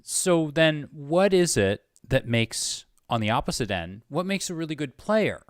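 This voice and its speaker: A man's voice: on the high side, very animated, unhurried, no room sound, studio quality. A man interviewing casually, asking open questions and giving brief listening responses.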